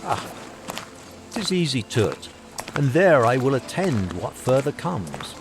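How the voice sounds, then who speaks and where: An actor playing a bitter, outraged Roman soldier in a Shakespearean audio drama, declaiming with scorn. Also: male voice, medium pitch, very animated, slow pace, noisy background. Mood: resigned. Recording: music behind the voice.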